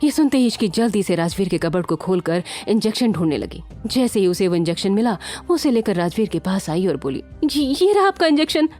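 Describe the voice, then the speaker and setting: A woman narrating a romance serial in a steady, expressive reading voice. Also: on the low side, fairly quick, hardly any pauses, faint music behind. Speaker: storyteller. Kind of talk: scripted story narration.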